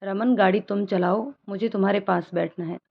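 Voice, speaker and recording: A woman's voice: mid-range voice, steady tone, normal speed, creaky. A woman reading the part of a young woman doctor who scolds her boyfriend fondly, in a storybook narration. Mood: scolding, fond. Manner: scolding, affectionate. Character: young woman doctor, fond but easily upset. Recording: dull lo-fi recording.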